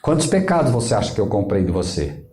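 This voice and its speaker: A preacher voicing a patient, questioning Christ. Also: male voice, on the low side, sing-song, quick pace, dark tone, echoey room, pitched below the performer's own voice. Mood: gentle questioning. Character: gentle male Christ speaking to a believer.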